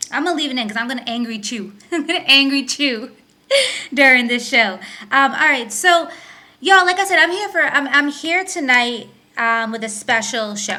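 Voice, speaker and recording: A woman's raised, projected voice, high-pitched, animated and bright, sharp in tone with lively intonation. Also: moderate pace. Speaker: podcast host. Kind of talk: casual commentary monologue.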